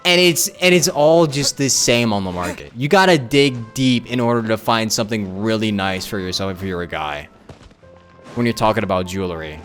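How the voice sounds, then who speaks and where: A man's voice: lowish voice, normal speed, fairly bright tone. A man streaming a game with casual, informal commentary, repeating phrases for emphasis. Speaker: live streamer. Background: game music.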